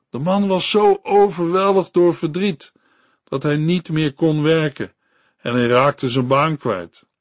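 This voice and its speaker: A man reading a devotional story and sermon for a radio Bible program, in a slow, earnest storytelling manner. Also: a little high, no echo.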